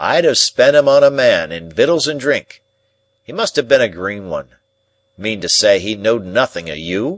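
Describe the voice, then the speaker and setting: In a put-on character voice, the speaker growls in a gruff way at a moderate pace with big swings in loudness. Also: man, medium pitch for a man. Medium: read story. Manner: gruff, growling.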